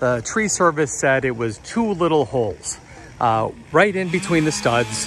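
The speech moves at a fairly slow pace, dry with no echo, while faint music plays in the background. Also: man. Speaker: building contractor. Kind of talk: explanatory walkthrough commentary. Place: garden. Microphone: phone near.

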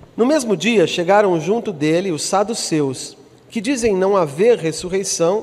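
This man's voice sits at a high pitch. He talks at a fairly slow pace. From Brazil. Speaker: scripture reader. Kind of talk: reading aloud. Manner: narrator-like delivery. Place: hall.

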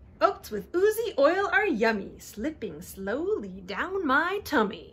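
A woman's put-on character voice, high-pitched, with very wide pitch swings and a fairly slow pace. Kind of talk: bedtime story. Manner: soft, whispering, tender.

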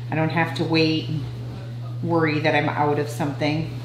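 Very deep and low for a woman, her voice moves at a moderate pace over noticeable background noise. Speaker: home DIY vlogger. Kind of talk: casual tutorial. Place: kitchen. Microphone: camera far.

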